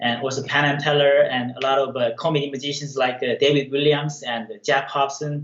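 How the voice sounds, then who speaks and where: A man with a Korean accent speaks at a moderate pace. His voice sits fairly high. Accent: Korean accent, non-native English. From South Korea, Busan. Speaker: magician and quick change artist. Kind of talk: interview. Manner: halting.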